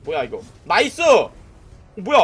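This streamer has a high, husky voice and speaks without hurrying as he commentates a mobile game live. He cheers loudly, yells at the enemy team, and keeps dropping "nice" and "that's it" in his trash talk.

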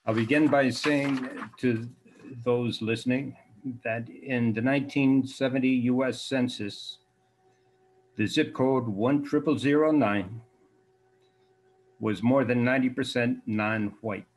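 An elderly man presents his poetry at a slow pace. His delivery is deliberate and halting, with a mid-range pitch. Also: fairly even intonation, poor audio. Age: 70s. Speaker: poet. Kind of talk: introducing and reading own poetry. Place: dark room indoors.

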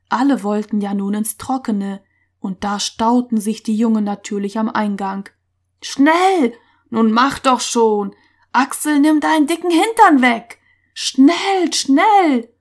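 A woman storyteller giving a measured, expressive scripted narration of a Christian story for children. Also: medium pitch.

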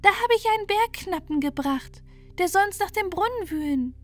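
Woman voicing a high, chirpy little helper bird. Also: animated, fairly bright tone. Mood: brisk. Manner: brisk, chirpy, reassuring. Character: kind, busy little male shrike bird, eager helper. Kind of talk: fairy-tale storybook character voice. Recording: music behind the voice.

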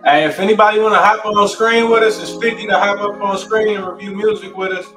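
A man's voice: high voice, fairly even intonation, quick pace. An American man giving blunt, slangy, casual commentary as co-host of a livestreamed music review. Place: indoor home studio. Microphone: distant from the speaker. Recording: echoey, distant, noisy studio room.

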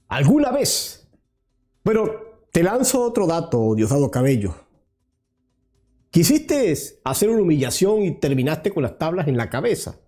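A man's voice: a little high, mellow. A man in his thirties hosting political commentary, combative, firing rhetorical questions straight at his target, recorded on a lapel mic in a small studio. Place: small studio with virtual set.

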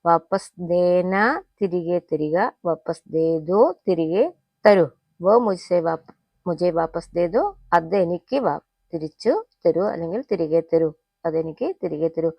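A woman teaching a spoken language lesson. She repeats each phrase slowly and then explains at a brisk pace. The recording is dry, close and a little muffled. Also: fairly low pitch, animated, creaky, no room sound. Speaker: Hindi teacher.

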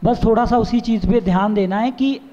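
A man's voice: high-pitched, brisk, warm tone, in a large hall, muffled recording. A man judging a talent show, giving encouraging and instructive feedback to child performers. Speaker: dance and acting judge.

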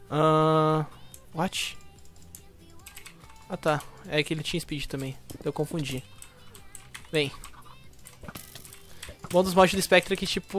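A young Brazilian man giving casual, slangy commentary over his own gameplay, excitable at first and quieter once he is playing. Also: on the high side. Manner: slangy, excitable intro then quieter focused play talk. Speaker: gaming YouTuber.

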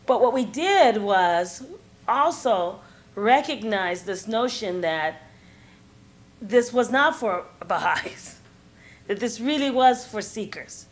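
A woman's voice: fairly high pitch, lively intonation, slow. A middle-aged woman explaining community work in an indoor interview. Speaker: local assembly member.

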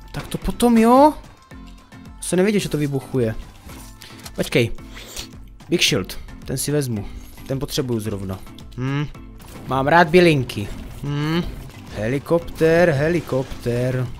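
Lively, animated young-sounding man gaming. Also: fairly high pitch, pauses often, faint music behind. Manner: playful, joking, talks to viewers as friends. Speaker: gaming YouTuber. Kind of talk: casual gameplay commentary.

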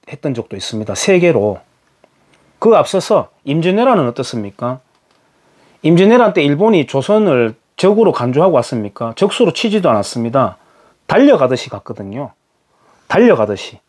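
A man's voice: fairly high pitch, darkish tone. A man gives solo spoken commentary in an emphatic, lecturing way, full of rhetorical questions.

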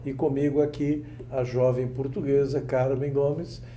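A man's voice: mid-range voice, flat delivery, a little slow, warm tone, roomy sound, slight background noise. An older man hosting a studio interview, chatty and self-mocking. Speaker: host. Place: small TV studio.

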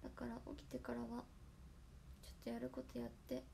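A hoarse young woman chatting casually on her livestream, thanking viewers by name for their gifts. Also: on the high side, completely flat delivery, a little fast, warm tone, a little hiss or hum. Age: young adult. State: hoarse after a nap. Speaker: idol livestreamer.

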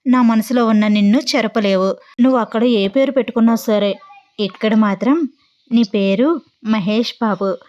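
A woman's voice: high-pitched, normal speed, darkish tone, lightly acted. A woman voicing a mischievous young woman who fakes tearful heartbreak on a prank call. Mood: melodramatic. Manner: melodramatic, teasing, tearful. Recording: dull lo-fi audio.

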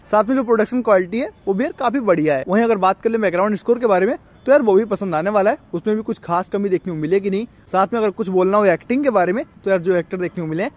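Fast-talking, high-voiced young man reviewing films. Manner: chatty, constantly says "yaar" and "bhai". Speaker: movie reviewer. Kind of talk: casual video review.

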